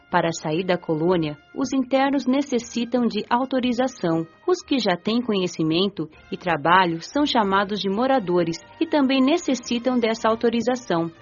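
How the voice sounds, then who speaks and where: A woman reads a first-person radio novel as its narrator. Her voice sits at a medium pitch and her delivery is measured and earnest. The recording is a little dull, with music behind her. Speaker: audiobook narrator.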